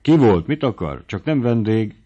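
A man voicing an irascible old country squire who barks orders in shouting tirades. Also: on the low side, big pitch swings, slightly rough. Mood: furious. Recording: dull lo-fi audiobook recording.

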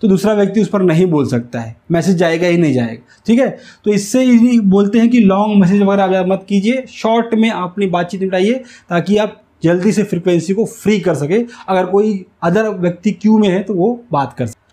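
A man teaches in a high, soft-edged voice. He explains things step by step as an instructor does, going back over key phrases so they stick. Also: fairly quick, hardly any pauses. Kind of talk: instructional whiteboard lesson. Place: small indoor room with whiteboard. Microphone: lapel mic.

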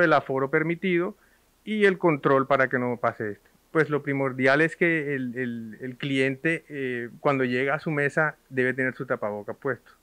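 A man's voice: medium pitch, fairly bright tone, no room sound. A young man interviewed for the news, listing measures with many fillers. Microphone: handheld reporter mic.

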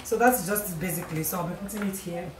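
A woman's voice: on the low side, fast talker. A woman in her thirties with a Nigerian accent, chatting casually to camera in a home vlog, repeating herself as she goes. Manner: chatty, repeats herself, playful bursts of self-praise. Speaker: vlogger and mother. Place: small home kitchen indoors. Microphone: camera on tripod. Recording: noisy home camera recording.

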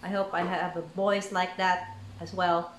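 A woman's voice: fairly low pitch, level tone, unhurried, slight background noise. A young woman hosting a reaction video at home, exclaiming and laughing often as she comments. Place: small room at home, indoors. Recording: roomy echoey home room.

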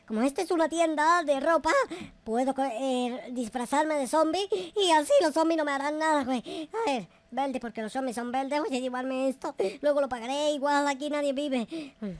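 A man's voice: extremely high pitch, normal speed, dry recording. A man voicing a naive, panicky noob boy in an improvised Minecraft roleplay, whining and repeating words frantically. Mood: worried, muttering. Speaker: gameplay video creator.

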